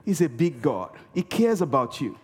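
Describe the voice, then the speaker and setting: In a reverberant church hall, a man with a fairly high, husky voice preaches a sermon at a moderate pace. He is very animated and emphatic, repeating key words for effect and calling out for responses from the congregation.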